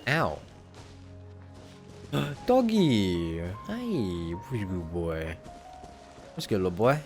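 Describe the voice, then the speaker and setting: A man's voice: fairly low pitch, big pitch swings, very slow, over music. A man casually streaming a video game live, reacting aloud as he plays.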